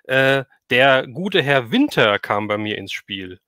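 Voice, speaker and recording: A man's voice: medium pitch, sing-song, takes it slowly, bright, forceful tone, dry recording, studio quality. A middle-aged man, chatting casually and reminiscing as he hosts a livestream. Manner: reminiscing, conversational. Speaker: livestream host. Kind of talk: casual chat.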